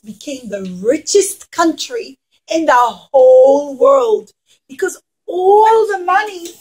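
A woman's voice: sits high, expressive, takes it slowly, darkish tone, poor audio. A middle-aged woman teacher telling a story to young children in simple, emphatic, repetitive phrases. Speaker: preschool teacher. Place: indoors in a classroom.

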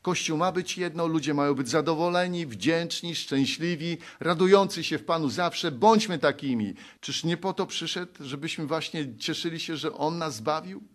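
A man from Poland preaching a sermon, pleading and exhorting, moving between loud appeals and hushed low passages, and reading scripture aloud. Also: normal speed, hardly any pauses.

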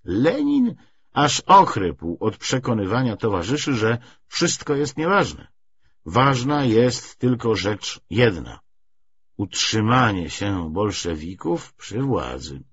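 Husky guy reading an audiobook, really animated intonation, bit dull lo-fi sound. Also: on the low side, slow pace, dry recording. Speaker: audiobook narrator. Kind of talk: scripted literary narration, reading a historical novel aloud.

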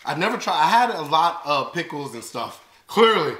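An American man hosts a casual, comedic food vlog with a highly animated delivery that swings up and down. He is expressive and exclamatory as he talks to viewers. The sound is echoey, picked up across a big room at home, with clear background noise. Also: moderate pace. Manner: expressive, exclamatory, reacting while eating. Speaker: host of a food-tasting video. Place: large open living and dining room at home.

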